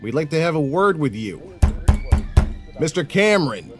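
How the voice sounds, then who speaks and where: An impatient policeman in an audio drama, forceful and gruff. His voice is somewhat high for a man, with prominent music behind it. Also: big pitch swings, moderate pace. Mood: commanding.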